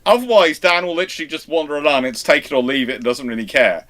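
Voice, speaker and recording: A man's voice: on the high side, quick pace, a bit bright. A man hosting a live history question show over a video call, chatting casually and correcting himself as he rambles. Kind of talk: casual chat, answering viewer questions.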